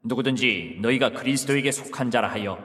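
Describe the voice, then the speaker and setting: A man voicing Jesus as a calm, authoritative teacher in a dramatized Bible reading, speaking in a measured, solemn way. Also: mid-range voice, long reverb tail, natural voice. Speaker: voice actor.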